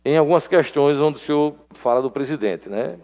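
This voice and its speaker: A man's voice: on the high side, a little fast, a little mellow. Emphatic man. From Alagoas, Brazil. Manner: emphatic, repeats points for stress. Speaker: state legislator. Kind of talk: parliamentary floor speech. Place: legislative assembly chamber. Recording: long reverb of an assembly chamber.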